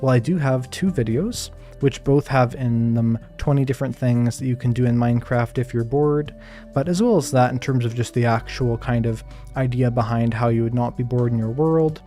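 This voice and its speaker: Man, mellow soothing voice, relaxed gameplay commentary, hedging, filler words, faint background music. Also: medium pitch. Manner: calm, soft-spoken, lots of hedges and fillers. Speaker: Minecraft streamer. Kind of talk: live gameplay commentary answering chat.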